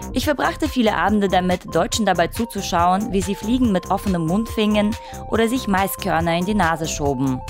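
A woman in her late twenties from Russia reads her personal essay in a low, steady voice. Her delivery is calm and wry, with a soft music bed faintly underneath. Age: late 20s. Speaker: author reading her own essay. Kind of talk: scripted first-person radio narration.

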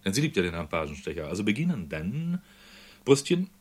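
A man's voice: sits low, sing-song, brisk, breathy edge. A man reading literary prose aloud for a radio feature, acting out the dialogue as he goes. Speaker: reader.

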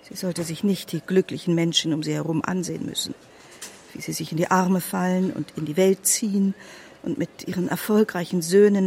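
Radio drama: a lonely older lady, low-pitched, softly resigned. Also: creaky, a little hiss or hum. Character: older woman waiting alone at an airport, wistful.

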